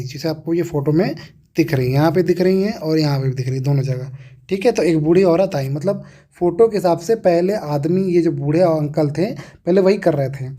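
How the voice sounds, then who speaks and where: A teacher with a mid-range, dark-toned voice explains an English reader lesson. They ask questions, answer them, and repeat key words.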